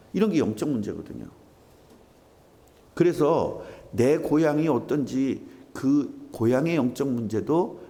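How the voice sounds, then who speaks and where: A man preaching a sermon as pastor in a church, talking to the congregation in a conversational, animated way. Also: medium pitch. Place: church sanctuary. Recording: reverberant church hall.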